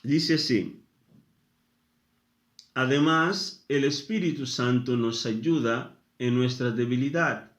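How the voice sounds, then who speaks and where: A man preaching a sermon, speaking in short phrases with frequent pauses. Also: mid-range voice, a bit bright, reverberant. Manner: slow, deliberate, pausing after short phrases. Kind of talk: sermon teaching.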